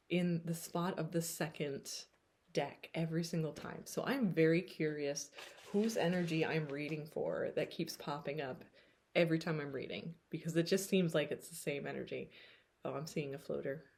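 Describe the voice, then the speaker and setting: A woman's voice: low voice, a little mellow. A giggly Pennsylvania woman reading tarot. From United States. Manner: chatty and giggly, often breaking into laughs. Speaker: tarot reader. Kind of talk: casual chat.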